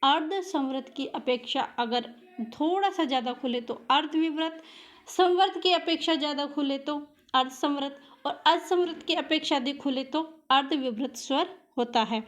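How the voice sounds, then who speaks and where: A woman's voice: high voice, moderate pace. A woman teacher giving a grammar lesson for exam students, patiently repeating each question and then answering it herself. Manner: patient, drills vowel sounds aloud.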